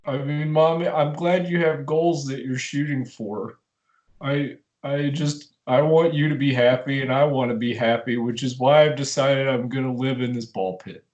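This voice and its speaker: A man playing an awkward adult son in an improv comedy scene, talking in a hesitant, deadpan way. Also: medium pitch, normal speed, dull audio, lightly acted. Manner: hesitant, deadpan, full of fillers.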